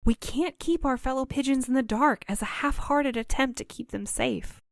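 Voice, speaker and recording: A woman's voice: sits high, moderate pace, creaky, no room sound, studio quality. A woman playing a diplomatic, level-headed courier in an audio drama, speaking in a careful, placating way. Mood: earnest.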